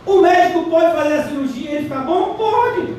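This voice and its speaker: A man with a Brazilian Portuguese accent preaching a lively, conversational sermon as a pastor, often mimicking other voices. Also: very high-pitched, fairly quick, slight background noise. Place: church hall. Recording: distant, very echoey church hall.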